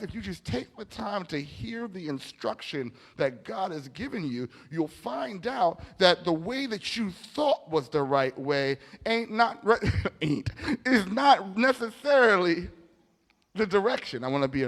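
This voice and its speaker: Man, fairly high voice, motivational sermon, emphatic, informal storytelling, dramatic pauses, long hall reverb. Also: big pitch swings, fairly bright tone. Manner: emphatic, repeating key phrases with dramatic pauses. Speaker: preacher and motivational speaker. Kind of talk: motivational sermon to a live audience. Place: large indoor hall, speaking from a stage.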